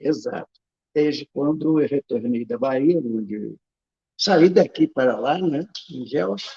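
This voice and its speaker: A man with a fairly high voice speaks at a very slow pace, leaving long, frequent pauses. The sound is dry and close with no echo. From Brazil, Barra do Piraí (Rio de Janeiro state). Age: 80s+. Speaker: retired spiritist center volunteer. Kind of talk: interview. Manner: halting.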